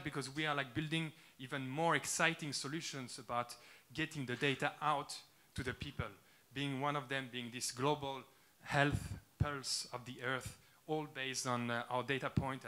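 A man in his thirties with a French accent, giving an earnest startup pitch on a conference stage into a handheld mic, with frequent "uh" fillers. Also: steady tone, normal speed, pushed and bright. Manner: earnest, eager, with many "uh" fillers. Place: large dark conference stage with audience.

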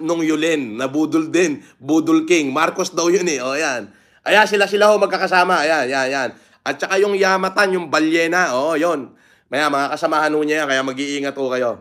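A man's voice: a little high, a bit bright. A middle-aged man talking bluntly on a casual livestream, swearing openly and reading out viewer comments. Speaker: livestream vlogger.

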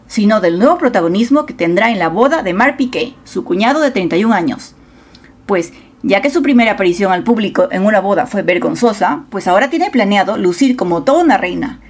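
A woman reading a scripted celebrity gossip news voice-over in a dramatic, storytelling manner on a close mic. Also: medium pitch. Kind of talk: scripted narration.

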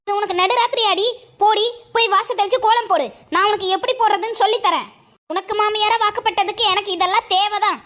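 A woman's voice: very high-pitched, fairly even intonation, fast, fairly bright tone, slight background noise. A woman voicing a scolding, fed-up mother-in-law in a cartoon, nagging and wailing at her daughter-in-law. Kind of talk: cartoon voice acting.

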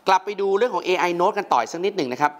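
A middle-aged man hosting a casual phone review, animated and exclamatory, speaking straight to his viewers. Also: high-pitched, racing. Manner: animated, exclaims often, addresses viewers directly. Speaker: tech reviewer host.

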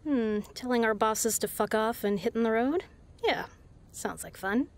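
A woman's voice: fairly high pitch, expressive, a little slow. An actress playing a tough, commanding but caring female spy in an intimate audio drama. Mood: flirtatious.

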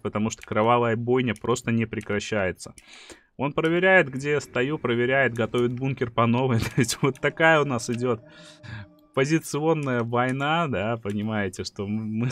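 A man in his thirties narrates a strategy game like a sports commentator, in a mid-pitched voice. He is emphatic and animated, repeating short phrases as he goes. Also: normal speed. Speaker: gaming streamer. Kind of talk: excited play-by-play game commentary. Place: small dim room indoors.

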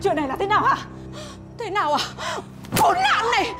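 A woman's voice: extremely high pitch, lively intonation, fast, over loud music. A fierce, protective mother. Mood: furious. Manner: shouting, scolding. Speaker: mother of Thi. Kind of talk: TV drama acting.

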